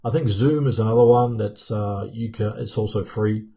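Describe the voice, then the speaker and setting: A man's voice: fairly low pitch, normal speed, mellow. A man in his fifties with a New Zealand accent worn down by years in America, hosting a casual live-stream Q&A from a home office and answering viewer comments with many fillers and restarts. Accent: New Zealand, softened by years in America. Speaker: YouTube channel host answering live chat. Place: home office room with plants and pictures, indoors. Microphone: webcam framing at desk.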